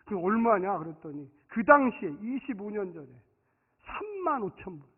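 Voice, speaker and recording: High-voiced pastor preaching dramatically. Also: male voice, huge pitch swings, moderate pace, husky. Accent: Daejeon region Korean. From South Korea. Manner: dramatic, storytelling, swings from quiet to shouting. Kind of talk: sermon. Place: church sanctuary. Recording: tinny, phone-like sound with long hall reverb.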